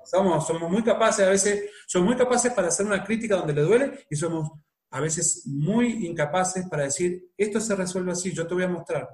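A man's voice: high voice, moderate pace, darkish tone, echoey room. A man in his forties with an Argentine accent, a psychologist talking about parenting in a reflective, explanatory way, often asking rhetorical questions. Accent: Argentine Spanish. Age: 40s. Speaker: psychologist guest. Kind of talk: conversational talk on parenting.

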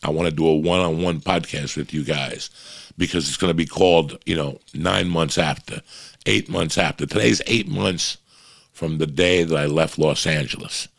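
A man's voice: rumbling low, normal speed, gravelly. A man with a New Jersey accent hosting a podcast, telling a rambling, profane story in casual chat. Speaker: podcast host.

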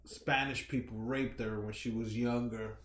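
A man co-hosting a casual, profane podcast chat, telling stories in an animated way. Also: mid-range voice, measured pace, roomy sound. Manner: animated storyteller, acts out quotes with shouty put-on voices. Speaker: podcast co-host.

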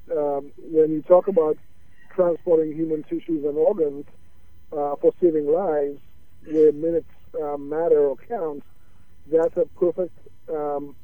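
Male guest over a tinny phone line, dry sound, halting with constant fillers. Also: on the high side, no room sound. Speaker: guest, drone company founder.

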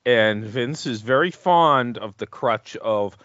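A man's voice: mid-range voice, animated, slow pace, fairly bright tone, no echo, lo-fi sound. A man co-hosting a podcast, rambling and joking in casual chat with restarts. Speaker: podcast co-host. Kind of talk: casual chat about wrestling.

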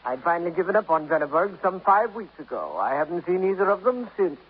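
A lofty middle-aged literary critic who speaks with precise, withering contempt. His voice sits fairly high for a man. It comes through a dull old radio broadcast with a faint hiss underneath. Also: big pitch swings, fast. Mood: bitter. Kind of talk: 1950s radio drama acting.

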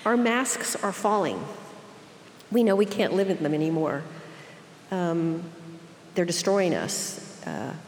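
Okie accent lady, lowish voice, earnest interview answers, big echoey hall with some noise. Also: big pitch swings, takes it slowly, long pauses, darkish tone. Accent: Oklahoma (Okie). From Oklahoma, United States. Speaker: interview guest, seminary leader. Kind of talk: reflective live interview.

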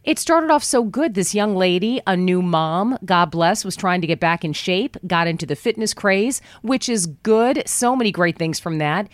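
A woman hosting a talk radio show from a studio, chatting in a folksy, upbeat way, her voice worn low after travel. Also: lively intonation, moderate pace, hardly any pauses, no room sound. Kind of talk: talk radio monologue with live ad reads. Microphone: studio microphone.

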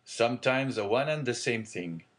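A man reading aloud and voicing a genial, fatherly older shipowner in a hearty, booming manner. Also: lively intonation, moderate pace, close to an everyday voice. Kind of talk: audiobook character reading.

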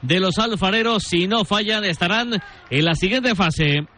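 A man hosting a live sports radio show, brisk and informal, passing between match reporters with short interjections. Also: high-pitched, bright, forceful tone, slight background noise.

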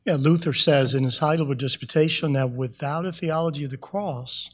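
Man, pastor, panel guest, slightly high pitch, husky, chiming in. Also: brisk. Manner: quotes sources, chimes in. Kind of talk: panel discussion.

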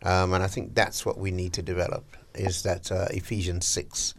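A man's voice: low-pitched, completely flat delivery, normal speed, background noise. A middle-aged man hosting a Christian breakfast radio show, chatting about prayer in a preacherly, chatty way. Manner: chatty, preacherly, lots of agreeing yeahs. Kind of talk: casual on-air chat about faith.

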